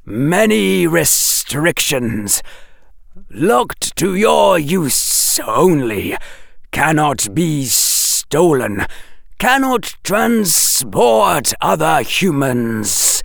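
Male reader doing a sardonic snake, raised voice, drawn out and clipped, with a gravelly edge. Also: fairly high pitch, sing-song, fairly bright tone, no echo, studio quality, pitched above the performer's own voice, full character voice. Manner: clipped broken speech, slow and deliberate. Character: sardonic terse hissing snake.

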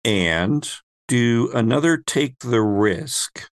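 With a medium-pitched, expressive voice, a male game master and host spins an improvised tale. His delivery is conversational, broken by pauses as he searches for words.

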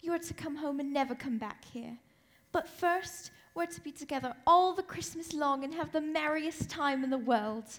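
Actress as loving young girl, high-pitched, eager, earnest, radio play acting. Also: normal speed, lightly acted. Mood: earnest, joyful.

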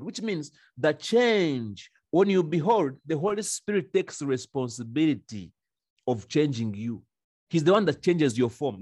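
A man's voice: fairly high pitch, a little mellow, no room sound. Emphatic male preacher, dry close sound. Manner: emphatic, repeats key phrases, laughs between points. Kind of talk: sermon.

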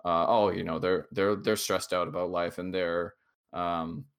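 A young man in his twenties with a low, deep voice talks through a casual podcast chat after a round of shots. He rambles and halts, restarting his sentences and leaning on fillers as he works his thoughts out. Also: fairly even intonation, unhurried, clean tone. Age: 20s. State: tipsy from drinking shots. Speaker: podcast co-host.

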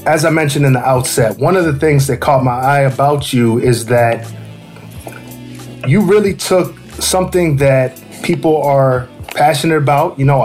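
A man's voice: mid-range voice, a little mellow. A man hosting a casual podcast interview, friendly and enthusiastic, with frequent fillers. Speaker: podcast host.

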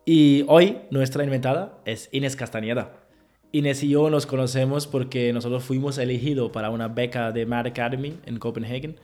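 A man hosting a conversational podcast interview, speaking haltingly with non-native phrasing. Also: medium pitch, darkish tone. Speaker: podcast host interviewing a guest.

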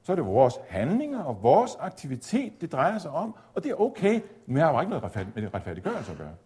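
A man giving a measured, explanatory theology lecture, at times pausing on fillers. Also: fairly high pitch, huge pitch swings, warm tone, breathy edge. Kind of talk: spoken lecture on Luther's reading of Galatians.

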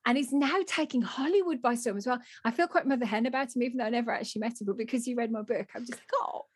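A woman in her thirties with a Black Country accent, co-hosting a podcast and telling stories in a chatty, animated, self-mocking way. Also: on the high side, rapid-fire, husky, no echo, studio quality. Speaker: podcast co-host. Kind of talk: casual chat.

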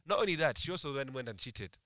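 A man's voice: mid-range voice, lively intonation, fast talker, sharp tone, no echo, studio quality. A young man, telling stories in casual, slangy street talk full of banter. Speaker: podcast participant. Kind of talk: animated casual banter and storytelling.

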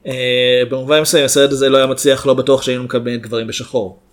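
Measured man reviewing films casually. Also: mid-range voice, steady tone. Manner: measured, hesitant, many fillers. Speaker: podcast co-host. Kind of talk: casual film chat.

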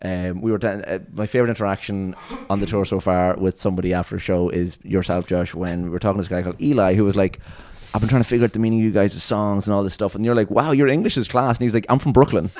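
A man's voice: on the low side, steady tone, fast, hardly any pauses, a little mellow, a little hiss or hum. A young man, rambling through tour stories in casual podcast chat and swearing freely. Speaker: band member and podcast host.

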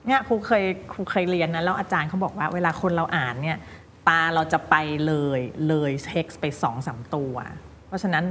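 A woman teaching English pronunciation, drilling single words slowly and then explaining quickly. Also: low voice, a bit bright, a little hiss or hum. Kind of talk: pronunciation coaching. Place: recording studio.

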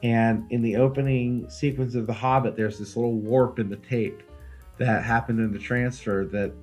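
Man, podcast co-host, deadpan jokes, rambling, mid pitch, faint music behind. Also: normal speed. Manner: deadpan joking, rambling storytelling. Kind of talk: casual comedy podcast chat.

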